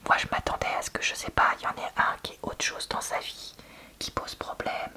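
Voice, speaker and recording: Woman in a hushed library whisper. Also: fairly quick. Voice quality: soft, breathy unvoiced library whisper. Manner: hushed, conversational, candid opinions. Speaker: book reviewer on an ASMR channel. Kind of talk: whispered ASMR book chat.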